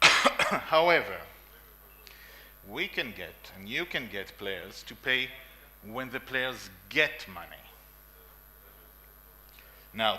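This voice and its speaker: Israeli guy talking at a conference, really bright voice, lists stuff off emphatically, faint hiss behind. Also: mid-range voice, low-quality recording. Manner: emphatic, repeats lists, frequent coughs and fillers. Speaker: conference speaker. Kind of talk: conference talk. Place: conference room, indoors.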